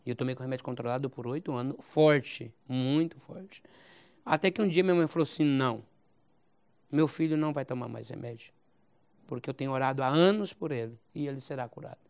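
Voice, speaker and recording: A man in his forties with a Brazilian accent from Goiás, a pastor telling his life story as a guest in an interview, with a halting style that often repeats phrases and adds "né?". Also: mid-range voice, darkish tone, smooth. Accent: Brazilian Portuguese, Goiás. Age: 40s. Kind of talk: recounting a personal testimony.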